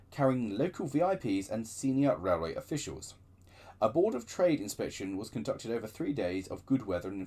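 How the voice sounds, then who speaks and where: A man's voice: medium pitch, husky. A man hosting his own channel, reading railway book extracts aloud with chatty asides. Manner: lively storytelling with chatty digressions.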